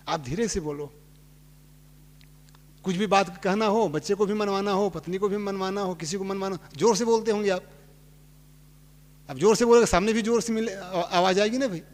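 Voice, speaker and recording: High-voiced preacher in a reverberant hall. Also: male voice. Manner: plain conversational preaching with folksy examples. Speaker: spiritual teacher. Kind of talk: sermon with sung verses.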